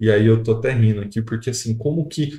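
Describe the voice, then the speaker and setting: A man's somewhat breathy voice sits at a medium pitch with a dark, mellow tone. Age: 30s. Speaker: finance podcaster. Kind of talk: educational monologue. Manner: casual, frequent filler tags.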